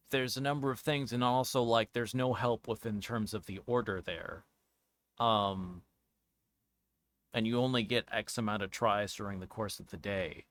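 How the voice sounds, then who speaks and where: A man giving casual, rambling commentary as a game streamer, halting and searching for words, often trailing off mid-thought. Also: on the low side, a bit bright, no echo. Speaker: streamer reviewing a visual novel game.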